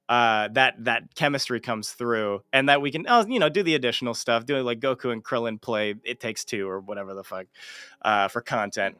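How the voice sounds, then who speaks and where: A man's voice: medium pitch, pushed and bright, no room sound, studio quality. A man hosting a casual livestream interview, talking informally and swearing freely. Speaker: show host and amateur voice actor.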